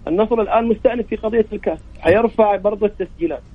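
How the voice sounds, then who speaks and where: Very fast, high-voiced Saudi male caller. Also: breathy edge. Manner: insistent, argues with rhetorical questions. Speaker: caller to a sports show. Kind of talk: opinionated phone-in discussion. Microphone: telephone. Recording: narrow, tinny phone line.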